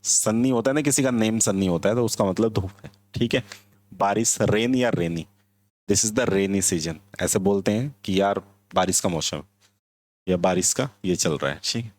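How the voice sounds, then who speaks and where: A man's voice: on the low side, normal speed, a little mellow, no room sound. A man teaching English vocabulary in Hindi, explaining word by word and mixing in simple English phrases with an Indian accent. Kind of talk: classroom vocabulary lesson.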